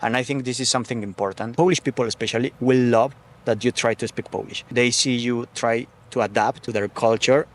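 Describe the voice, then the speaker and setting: A man's voice: medium pitch, steady tone, a little fast. A man from Mexico, a native Spanish speaker, talking casually in an interview with a strong Mexican accent.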